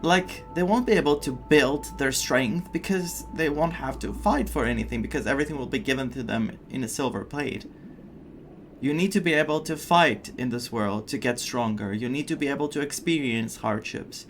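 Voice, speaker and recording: A male game streamer with a medium-pitched voice. He comments casually and with strong opinions, clearly invested in the story. Faint music sits behind his talk. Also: normal speed.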